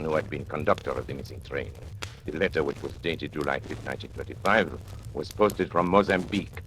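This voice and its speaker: A deep menacing blackmailer. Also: male voice, background noise. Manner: menacing, mocking, theatrical. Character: sinister male confidential agent turned blackmailer. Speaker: narrator. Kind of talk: 1940s radio acting.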